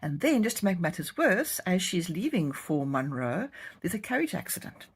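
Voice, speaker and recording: A woman's voice: fairly low pitch, big pitch swings, moderate pace, slightly rough. A woman from South Africa with a South African accent, a romance author chatting to camera as she tells the story of her new book. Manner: chatty, warm storytelling of a plot summary.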